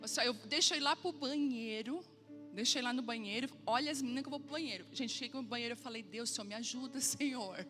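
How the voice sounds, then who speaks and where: A woman pastor preaching a sermon, telling a funny personal story and acting out the dialogue with lively humor. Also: fairly high pitch, fast, over music.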